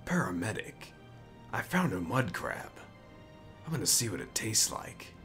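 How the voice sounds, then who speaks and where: Man doing a low, gruff game soldier. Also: sing-song, measured pace, sharp tone, heavily acted. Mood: businesslike. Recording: music behind the voice.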